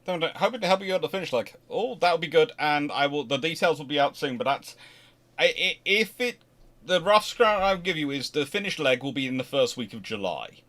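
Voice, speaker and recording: A man's voice: a little high, a little fast. Rambling man answering viewer questions. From Scotland. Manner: rambling, self-correcting, animated asides. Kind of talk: casual livestream Q&A.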